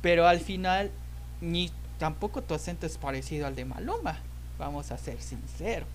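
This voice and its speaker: A man with a Mexican accent hosting a podcast chat, joking, laughing often and breaking into loud excited exclamations. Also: on the high side, moderate pace, slight background noise. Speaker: podcast host. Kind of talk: casual chat.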